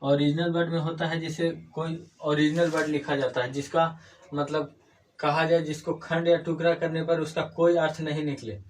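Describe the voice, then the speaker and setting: A man's voice: on the high side, level tone, moderate pace. A man teaching an English grammar class, explaining step by step and repeating key words back as questions. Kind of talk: classroom lecture. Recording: distant mic, faint room noise.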